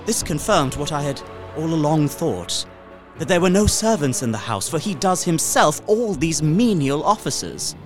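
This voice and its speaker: A man's voice: on the high side, big pitch swings, moderate pace, soft background music. An actor playing an uneasy young solicitor, narrating his journal formally and dramatically in an audio drama. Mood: wary, anxious.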